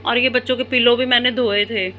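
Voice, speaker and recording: A woman's voice: on the high side, steady tone, a little fast, bright, forceful tone, soft background music. A mother, vlogging casually at home at night and coaxing and soothing her children. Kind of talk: casual home vlog talk. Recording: noisy home phone recording.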